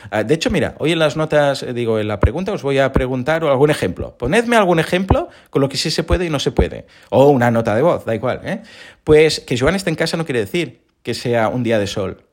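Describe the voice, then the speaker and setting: Male podcast host, animated, pitch swings widely, slightly hoarse, talks straight to listeners. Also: brisk. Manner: lively, animated explaining with rhetorical questions. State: recovering from hoarseness. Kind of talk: casual explanatory monologue.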